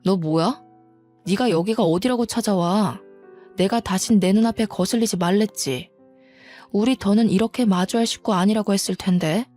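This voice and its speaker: A woman's voice: medium pitch, normal speed, a little mellow, soft background music, natural voice. A woman voicing a cold, arrogant older sister who talks down with contempt. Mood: scornful. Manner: contemptuous, scolding.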